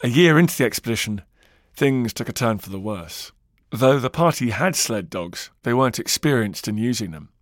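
A man's voice: medium pitch, lively intonation, moderate pace, no room sound, clean studio sound. Dramatic male documentary narrator. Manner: dramatic storytelling, varied emphasis. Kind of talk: scripted historical narration.

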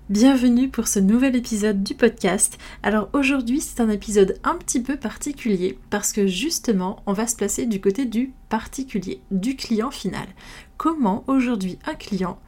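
A woman in her thirties, an interior designer, hosts an interview podcast, upbeat and friendly as she introduces her guest and asks questions. Her voice is a little high and a little mellow, with faint music under the intro.

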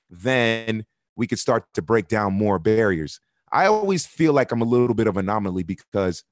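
A soccer broadcaster from Miami, United States, appears as a podcast guest in a studio-quality recording with no room sound. His voice is lowish, and he speaks candidly and earnestly, reinforcing his points through repetition.

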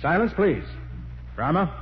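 An actor playing a commanding master detective, deliberate and authoritative, in a 1940s radio drama. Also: male voice, on the high side, big pitch swings, music in the background. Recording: muffled, hissy 1940s radio recording.

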